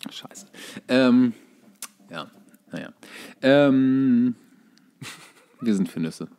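Male podcast co-host, mid-pitched, sarcastic and coarse, given to ranting in loose comic chat. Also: expressive, very slow, mellow, a little hiss or hum. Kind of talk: casual comedic chat.

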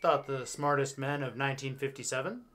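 An American man in his thirties narrating scripted comic history with wry, deadpan sarcasm. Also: mid-range voice, a little fast. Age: 30s. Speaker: host. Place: indoor studio with backdrop.

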